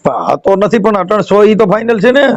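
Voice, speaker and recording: A man's voice: sits high, expressive, normal speed, no echo, dull audio. A middle-aged man with a rural Saurashtra Gujarati accent, bluntly questioning and reproaching someone over the phone. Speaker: advisor taking a recorded phone call. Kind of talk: confrontational phone conversation.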